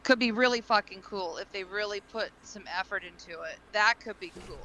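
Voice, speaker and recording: A man's voice: high-pitched, fairly quick, a crowd in the background, poor audio. A man chatting casually as a panelist in a group podcast. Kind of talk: casual chat.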